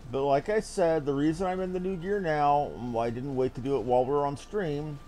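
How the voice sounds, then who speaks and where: A man's voice: a little high, a little fast, mellow, a little hiss or hum, poor audio. A man streaming a game, giving chatty, casual commentary full of informal slang.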